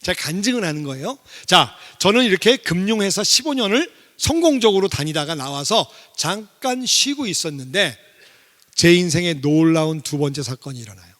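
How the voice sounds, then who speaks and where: A middle-aged man with a high voice preaches a testimony as a guest revival speaker. His delivery is animated and he keeps asking the congregation questions. The sound carries a long church hall reverb. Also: normal speed. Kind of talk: sermon testimony. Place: church sanctuary.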